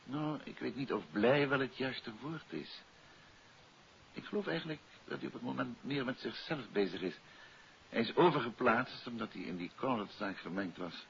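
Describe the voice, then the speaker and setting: An actor playing a suave, courteous detective and teasing husband in a 1950s Dutch radio play. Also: male voice, mid-range voice, normal speed, creaky, a bit bright, slight background noise. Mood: pensive. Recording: dull old radio recording, music behind.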